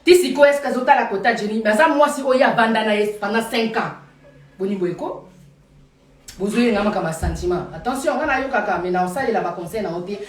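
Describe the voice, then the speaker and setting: A woman's voice: medium pitch, brisk, distant mic. Emphatic Paris woman live-streaming, roomy sound. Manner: emphatic, repeats lines for force. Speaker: live streamer addressing followers. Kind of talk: casual live chat, mixing French and Lingala.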